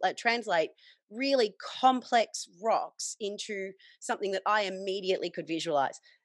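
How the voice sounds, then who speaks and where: An Australian accent colors a woman's lively intonation at a moderate pace. The sound is dry and close with no echo, and the background is quiet. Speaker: commodities analyst and geology student. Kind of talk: casual interview chat. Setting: video recording.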